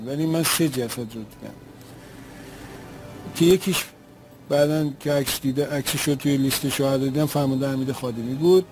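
A man's voice: mid-range voice, poor audio. A man giving spoken testimony as an eyewitness, retelling events in an earnest, vivid way.

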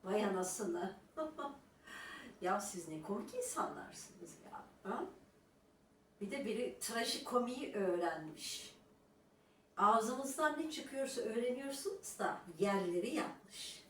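A YouTuber scolds her critics in a scornful, lecturing monologue, repeatedly asking a rhetorical "Ha?". Her mid-range, slightly bright voice moves lively but slowly. She's recorded a bit far from the mic in an echoey room with faint hiss.

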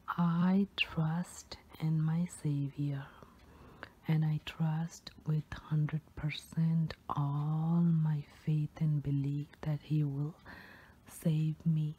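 A woman softly whispering a soothing pep talk of first-person affirmations, as in an ASMR meditation, in a breathy voice. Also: deep voice.

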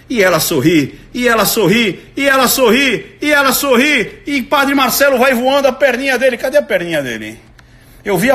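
Brazilian man, high bright voice, animated live commentary, exclamatory. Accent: Brazilian Portuguese. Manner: excited, exclamatory, breaks into sudden shouts. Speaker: body language analyst.

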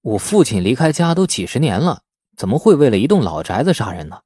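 A man's voice: mid-range voice, big pitch swings, fast talker, warm tone, slightly rough, dry recording, clean studio sound. A man voicing an anxious, doubting male character in an audiobook, questioning and protesting. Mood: doubtful.

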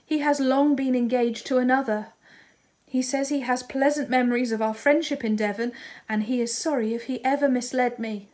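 A woman's voice: high-pitched, fairly even intonation, moderate pace, darkish tone, voice pushed up, natural voice. A woman voicing a heartbroken, impulsive young woman who pleads in tearful, dramatic outbursts. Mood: grief-stricken. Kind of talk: audiobook character reading.

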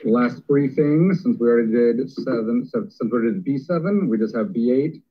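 A man's voice: medium pitch, a little fast, a little hiss or hum. A man chairing a council meeting, talking things through conversationally with fillers, heard over thin phone-like meeting audio. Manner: conversational, thinks aloud with fillers. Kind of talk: meeting discussion.

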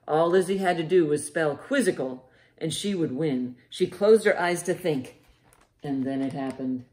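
A middle-aged woman hosting storytime, reading to children in an expressive, deliberate way from a living room. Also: low voice. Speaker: library storytime host. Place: living room, indoors by a fireplace. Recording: roomy living-room echo.

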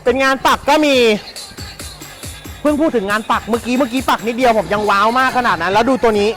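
A live-stream seller giving a fast, hyped sales pitch for second-hand clothing, chatty and persuasive, repeating phrases for emphasis. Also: fairly bright tone, faint music behind.

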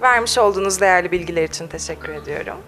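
A woman's voice: lowish voice, a bit bright. A young woman working as a TV reporter, delivering polished scripted questions into a handheld mic in a small cafe. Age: young adult. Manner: fast, polished presenter delivery. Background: faint music.

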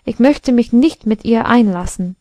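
A woman's voice: on the high side, unhurried, dark tone, dry recording, dull audio, lightly acted. Woman voicing a proud talking sofa. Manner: proud, snobbish. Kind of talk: storybook reading.

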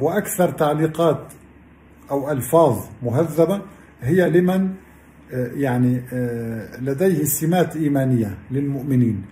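A man giving an earnest religious lesson, explaining a verse and speaking warmly to his listeners as beloved ones. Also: medium pitch, reverberant, a little hiss or hum. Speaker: Islamic science lecturer.

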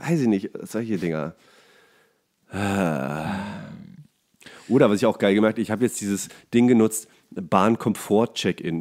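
A man's voice: lowish voice, darkish tone. A man co-hosting a podcast, ranting in casual comedic chat and acting out imagined exchanges. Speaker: podcast co-host.

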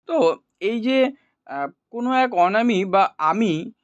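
A man's voice: high-pitched, expressive, slow. A man teaching in an explanatory, didactic way, as if to school students, checking that they follow. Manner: didactic, checks understanding with short questions. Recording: roomy echo, dull lo-fi sound.

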